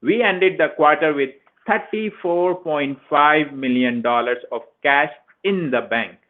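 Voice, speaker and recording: A man's voice: a little high, measured pace. A man, a finance executive, formally reading scripted remarks on an earnings conference call. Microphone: conference call phone line. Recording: tinny narrowband phone line.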